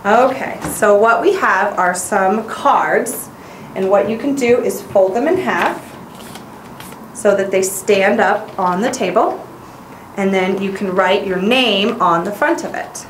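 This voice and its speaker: A woman teacher giving clear, encouraging instruction, in the style of a lesson. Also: mid-range voice, takes it slowly. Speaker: English teacher. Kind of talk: instructional narration and classroom teaching. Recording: roomy echo, faint background noise.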